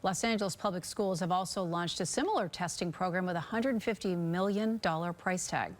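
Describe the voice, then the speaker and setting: A woman anchoring a morning TV newscast, reading the stories in a measured, formal way. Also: fairly low pitch, slight background noise. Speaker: news anchor. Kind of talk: news reading.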